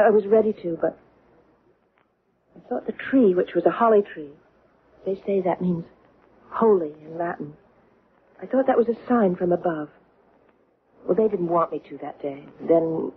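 An actress playing an earnest, haunted middle-aged woman in a vintage radio drama, recalling strange things in hesitant, deliberate, broken phrases. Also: fairly low pitch, breathy edge. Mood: earnest, remembering. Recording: noisy, tinny old radio recording.

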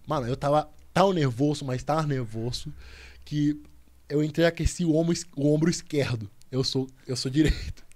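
A young man, a podcast guest telling a story in a lively, slangy way, full of restarts and repeats. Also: a little high, moderate pace. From Cuba. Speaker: podcast guest, volleyball player. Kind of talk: casual storytelling chat.

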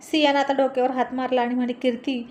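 Female storyteller with a Marathi accent, somewhat high voice, lively delivery that plays every character, light hiss behind. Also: fast talker. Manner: voices the characters' lines herself, lively and expressive. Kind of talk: scripted narration of a romance serial.

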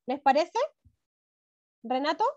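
A woman's voice: high voice, takes it slowly, darkish tone. A woman with a Chilean accent teaching a first-grade class online, affectionate and encouraging with her pupils. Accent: Chilean Spanish. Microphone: video call. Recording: dull lo-fi video call audio.

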